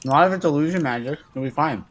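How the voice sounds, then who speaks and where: A man playing a tabletop roleplay game, chiming in with casual, animated banter on a noisy mic. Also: fairly high pitch, fast.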